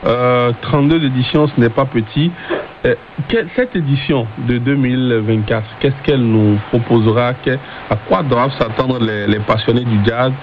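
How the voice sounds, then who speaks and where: A man's voice: medium pitch, normal speed, lo-fi sound. A man putting questions as a radio interviewer, heard over shortwave. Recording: thin, hissy shortwave radio reception.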